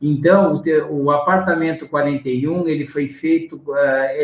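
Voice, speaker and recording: Using a normal speaking voice, a man talks fairly slowly at a fairly high pitch with ordinary pitch variation. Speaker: author. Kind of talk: live-stream interview. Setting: online live stream.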